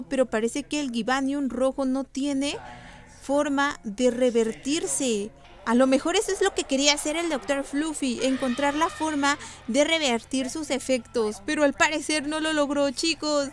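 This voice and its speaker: A woman hosting a gaming channel, talking straight to her viewers with emotive, excited reaction commentary. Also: high voice. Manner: emotive, addresses viewers directly. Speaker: gaming YouTuber host. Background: background music.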